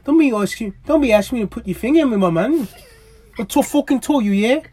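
A man with a husky voice putting on a British accent to voice a rowdy, aggressive young British man who keeps adding "yeah?". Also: extremely high pitch, expressive, fast, no echo, voice pushed up, full character voice. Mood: threatening. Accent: put-on British. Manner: loud, menacing, keeps tagging "yeah?".

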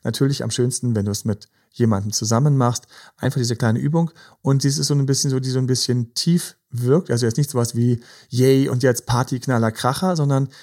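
Gravelly, mellow-voiced male podcast host. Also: medium pitch, fairly even intonation, fairly quick, few pauses. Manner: gentle, advising, many fillers. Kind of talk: casual podcast chat about relationships.

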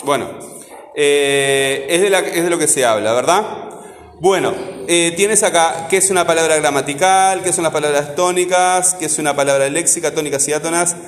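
Teacher in an echoey classroom. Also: male voice, on the high side, slight background noise. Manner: patient, drills aloud, repeats phrases slowly. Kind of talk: classroom lesson. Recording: echoey classroom with long reverb.

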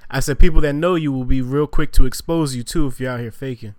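A man's voice: mid-range voice, fast, a little mellow, dry recording. A man hosting a podcast in an easygoing, casual way, hyping up his listeners. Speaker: podcast host.

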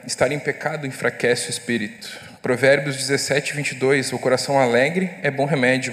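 Man sharing scripture. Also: mid-range voice. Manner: earnest, reading verses aloud. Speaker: church member. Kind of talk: sharing scripture at a church meeting. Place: church meeting room. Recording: echoey hall with long reverb.

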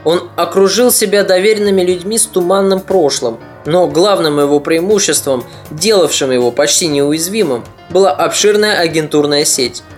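A man narrating a history podcast in a steady, deliberate storytelling manner. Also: on the high side, faint music behind.

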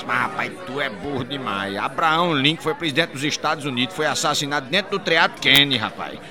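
A man telling a string of jokes. He tells them in a lively way and slips into character voices along the way. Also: mid-range voice, fairly quick, over music. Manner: lively storyteller, drops into character voices and laughs at his own punchlines. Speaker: joke teller.

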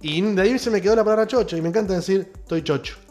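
A man with an Argentine accent hosting a radio show, joking in crude, animated casual banter. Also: sits high, rapid-fire, faint music behind. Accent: Argentine Spanish. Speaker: radio host.

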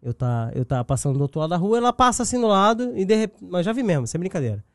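A man with a Brazilian Portuguese accent co-hosting a casual chat show, animated and joking, breaking into loud shouted greetings. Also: high voice, fast talker, no room sound, studio quality. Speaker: podcast co-host.

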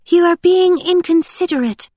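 A woman narrator acts out a fragile, dreamy young woman. The voice is lifted high and lilts with childlike politeness. It is storybook madness, sweet and eccentric, in a dry recording. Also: moderate pace, darkish tone, no room sound. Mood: hushed, unsettled.

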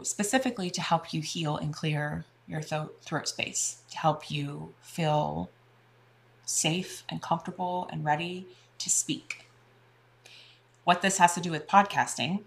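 A woman's voice: low-pitched, vocal fry. A woman hosting a podcast, talking casually and directly to her listeners about her practice. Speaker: podcast host and energy healer.

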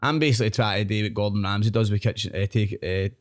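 A man's voice: lowish voice, fairly even intonation, fast. A man with a broad Glasgow Scottish accent chatting casually and telling stories in a rambling, slangy, sweary way. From Scotland. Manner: rambling, slangy, sweary, frequent "know what I mean". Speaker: online food reviewer, podcast guest. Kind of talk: casual chat, storytelling.

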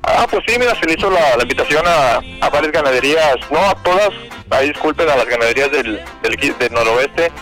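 A Mexican man, a rodeo promoter, answering radio interview questions, nervous on air and halting with many fillers and restarts. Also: fairly high pitch, expressive, fairly bright tone, soft background music, rough recording.

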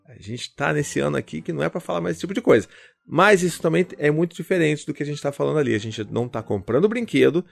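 A man's voice: medium pitch, vocal fry. A man giving casual parenting advice in a conversational vlog, explaining with acted-out examples. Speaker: parenting vlogger. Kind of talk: casual direct-to-camera advice.

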